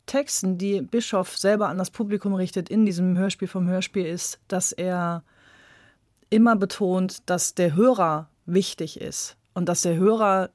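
A woman's voice: lowish voice, fairly even intonation, measured pace, darkish tone, dry recording, studio quality. A woman speaking as an expert guest, explaining things emphatically in a spontaneous discussion. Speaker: expert guest in a radio interview.

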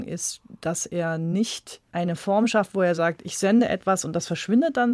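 A woman's voice: fairly low pitch, a little mellow, dry recording. A woman giving conversational expert commentary as a radio director, recorded in a studio. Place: dry studio.

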